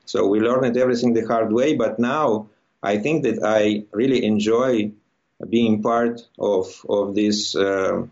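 The recording is dull and lo-fi, carrying the low voice of a middle-aged man with a Russian accent. He is a guest in an interview, talking conversationally. His delivery is halting as he feels his way toward the right words. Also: fairly even intonation, darkish tone. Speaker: interview guest, immigrant to Quebec. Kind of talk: conversational personal account in an interview.

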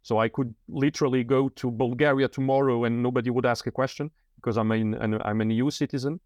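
A man's voice: medium pitch, fairly even intonation, fast talker, darkish tone, no room sound, clean studio sound. A man, a guest in an interview, talking casually and thoughtfully with frequent fillers and restarts.

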